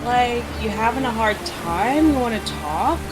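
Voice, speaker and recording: A woman's voice: a little high, animated, measured pace, over loud music. A woman voicing an easygoing turtle surfer doctor who drawls in surfer slang. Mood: mellow, friendly.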